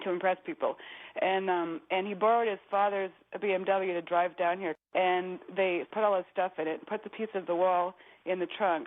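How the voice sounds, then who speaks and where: Medium pitch and a moderate pace from a female speaker, her intonation fairly even. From Canada. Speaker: caller. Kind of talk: phone-in call. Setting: phone call. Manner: hesitant, many fillers.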